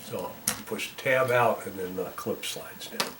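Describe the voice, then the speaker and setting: Low-voiced man in a roomy, distant recording. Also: a bit bright. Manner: careful, halting, talking while working. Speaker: volunteer repairer demonstrating a fix. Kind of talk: casual hands-on repair walkthrough, thinking aloud. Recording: roomy, distant mic, faint noise.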